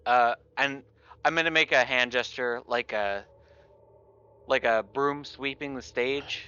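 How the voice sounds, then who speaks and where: A man's voice: medium pitch, a little slow, sharp tone, clear, resonant tone, lo-fi sound. A man playing a tabletop game, speaking in casual, joking banter.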